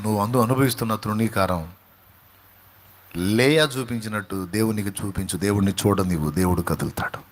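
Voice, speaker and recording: A male pastor delivering a sermon in an emphatic style, repeating phrases and asking rhetorical questions. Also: fairly low pitch.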